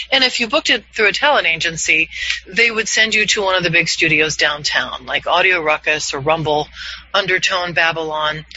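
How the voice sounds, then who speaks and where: A man in his fifties, a voiceover coach leading an online class, upbeat and quick to laugh. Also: fairly high pitch, sharp tone, a little hiss or hum. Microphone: video call. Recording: dull, lo-fi video call audio.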